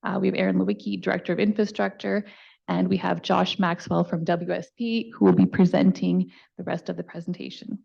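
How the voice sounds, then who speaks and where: A woman's voice: lowish voice, steady tone, brisk, vocal fry, a little mellow, slightly rough. A woman giving a formal, prepared presentation to a council as a member of city staff. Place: council meeting room. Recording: dull, band-limited meeting room microphone.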